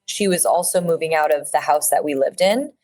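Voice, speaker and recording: This is a woman in her thirties from Orange County, speaking as an interview guest. Her voice sits a little on the low side, and she talks in an earnest, reflective way. Her phrasing is loose and conversational, full of small restarts and fillers. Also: fairly quick, a little mellow. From Orange County, California.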